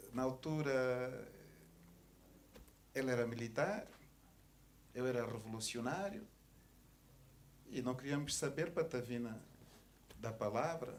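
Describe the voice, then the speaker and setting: A man at a medium pitch and fairly slow pace, ordinary pitch variation, long and frequent pauses, and audible room echo. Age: 60s. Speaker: church member in study panel. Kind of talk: group discussion.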